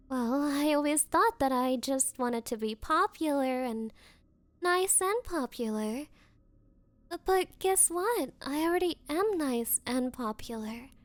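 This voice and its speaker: A woman's voice: high-pitched, no room sound. A woman playing a bratty, possessive, spoiled rich popular girl in an anime-style ASMR roleplay, with a condescending, coy valley-girl drawl. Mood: coy confession.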